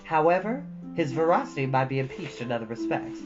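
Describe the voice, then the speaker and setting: Woman reading a story, very animated. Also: deep voice, fairly quick, highs cut off. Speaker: storytime reader and host. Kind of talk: expressive storybook narration. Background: instrumental music.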